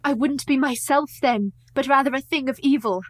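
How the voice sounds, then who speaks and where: An actress playing a grave, resolute young wife in a radio play, formal and earnest. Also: female voice, high voice, normal speed, lightly acted. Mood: doubtful. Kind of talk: community radio play acting.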